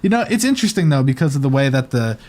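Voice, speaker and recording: A man's voice: mid-range voice, sing-song, very fast, a little mellow. A man hosting a casual chat show, talking chattily and hesitantly with a slight lisp from a retainer. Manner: chatty, hesitant, lots of ums. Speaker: show host. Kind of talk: casual chat reviewing setups.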